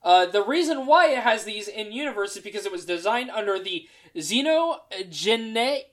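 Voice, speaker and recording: A woman's voice: mid-range voice, lively intonation, normal speed. A woman co-hosting a casual chat show, rambling through details with plenty of fillers and flashes of exasperation. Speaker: podcast co-host. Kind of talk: casual chat about mecha designs.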